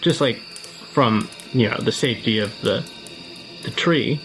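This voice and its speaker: A man playing a tabletop game, improvising and describing his character's moves in a halting, tentative, casual way. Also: mid-range voice, a bit bright. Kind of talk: casual improvised roleplay and narration. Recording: faint music under the voice.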